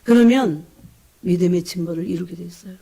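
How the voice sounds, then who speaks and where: A woman preaching a fervent, emotional sermon, often calling out to her congregation and dropping into hushed whispers between bursts of emphasis. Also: fairly low pitch, a little fast, creaky, slightly rough.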